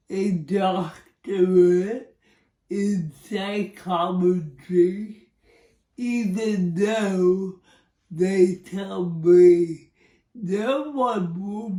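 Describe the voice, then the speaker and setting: A woman in her forties with cerebral palsy, speaking slowly and deliberately as she gives a personal testimony. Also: mid-range voice, mellow, reverberant, far from the mic. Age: 40s. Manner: slow, deliberate speech with a cerebral palsy speech difference. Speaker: psychology professor and advocate.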